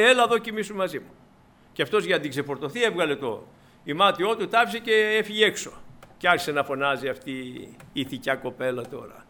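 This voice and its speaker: A man's voice: fairly high pitch, pushed and bright. A male preacher delivering a sermon, retelling a Bible story and acting out the characters' lines, often addressing listeners as brothers. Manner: dramatizes quotes with shifting voice and volume.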